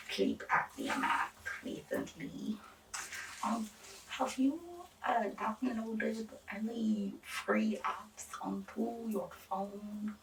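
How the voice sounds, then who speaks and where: A woman playing an eccentric female doctor in an ASMR roleplay, halting and formal, breathy and often near a whisper. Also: mid-range voice, recorded from a distance, a little hiss or hum, low-quality recording. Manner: halting, hesitant, formal clinical phrasing with odd asides. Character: eccentric female doctor examining a patient for monster afflictions. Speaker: ASMR performer. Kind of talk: ASMR roleplay, intimate questioning.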